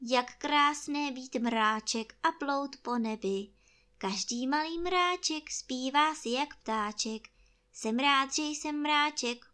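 A woman doing Pooh, a squeaky naive teddy bear. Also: sharp tone, heavily acted. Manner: high, sing-song, earnestly silly. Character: naive, cheerful little honey-loving teddy bear. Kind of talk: storybook reading.

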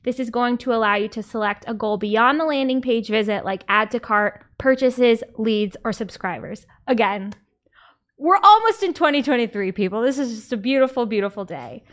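A woman hosting a podcast, chatting casually and wryly reading out marketing news, with a somewhat squeaky voice. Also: normal speed. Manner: chatty, wry, reads out news items. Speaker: podcast host.

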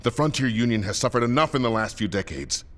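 A man playing a grim, resolute military commander in a science fiction audio drama, firm and deliberate. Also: medium pitch, animated, a bit bright, close to an everyday voice. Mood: adamant.

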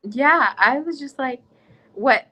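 Bright-voiced young American woman, impassioned. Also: sits high, animated, slow pace. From United States. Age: young adult. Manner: earnest, impassioned, with frequent restarts. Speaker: interviewee, student. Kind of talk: conversational interview.

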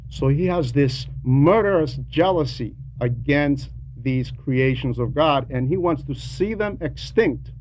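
A man delivering an Orthodox Christian homily in a deliberate, explanatory way, repeating phrases for emphasis. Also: mid-range voice, expressive, a little mellow. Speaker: preacher reading a translated homily. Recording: dull lo-fi sound with background noise.

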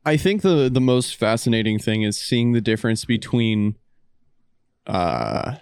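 Smooth clear guy cohosting a podcast, laid back and agreeable, dry audio. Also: fairly low pitch, big pitch swings, measured pace, dry recording. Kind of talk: casual chat.

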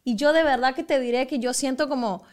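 A young woman sits for a casual interview and recounts her broadcasting days with animation. Her voice sits a little high, and she slips into the voices of the people she quotes. Her sentences restart often as she talks. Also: brisk, darkish tone. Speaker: sports broadcaster, guest.

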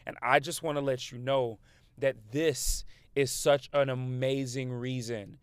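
Man, African American accent, podcast host, mid-pitched voice, animated and slangy motivational talk, close dry sound. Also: measured pace, clean tone, no room sound. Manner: animated, slangy, code-switching.

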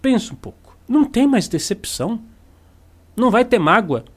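A man's voice: high voice, very animated, normal speed. A man with a Brazilian Portuguese accent, a spiritual teacher giving an emphatic, repetitive motivational talk to camera. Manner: emphatic and repetitive, with acted-out quotes.

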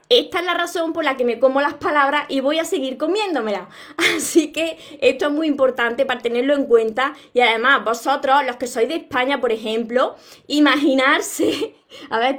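A woman from Córdoba with an Andalusian accent, giving an earnest, encouraging motivational talk to her viewers on a live stream. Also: sits high. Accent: Andalusian Spanish. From Córdoba, Andalusia, Spain. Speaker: motivational content creator and author.

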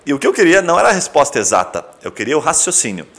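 Fast, animated Brazilian man. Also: a little high. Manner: animated storyteller, acts out dialogue in raised voices. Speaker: podcast co-host, business owner. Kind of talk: casual business podcast chat.

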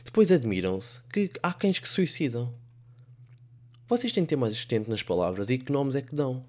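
A man's voice: mid-range voice, very animated, normal speed, darkish tone. A young man with a European Portuguese accent hosting a podcast, telling comic stories in a sarcastic, rambling, playful monologue. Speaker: podcast host.

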